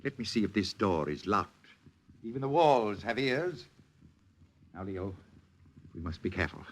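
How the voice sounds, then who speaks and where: An actor playing a pompous, grandiose movie studio boss in a 1940s radio drama, talking in lofty words. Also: male voice, lowish voice, lively intonation, a little slow. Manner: grandiose, lofty vocabulary, theatrical. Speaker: studio head.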